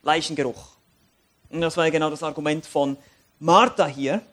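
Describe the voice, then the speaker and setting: Guy preaching, pretty high voice, goes quiet then gets all fired up. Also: normal speed. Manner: animated, swings between quiet reflection and raised emphatic lines. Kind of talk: sermon with Bible reading.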